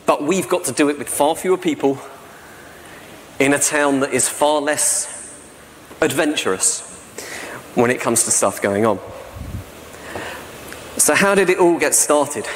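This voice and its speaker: A man in his forties gives a conference talk from a lectern mic, chatty and self-deprecating, often tagging on "right?". His voice sits a little high for a man. The big hall adds a long reverb and a faint hiss behind him. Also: expressive, measured pace, long pauses. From South-East England. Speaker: conference speaker. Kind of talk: presentation talk. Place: large dark hall on a stage with projection screen. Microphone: stand mic at lectern.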